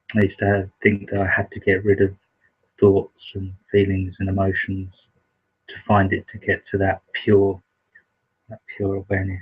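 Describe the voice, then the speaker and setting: With a British accent, a man speaks in a fairly low, monotone, flat voice, his loudness swinging widely between long, frequent pauses. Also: moderate pace. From Britain. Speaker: spiritual teacher reading a book. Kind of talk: contemplative reading and reflection. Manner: halting with many fillers; trying to speak louder.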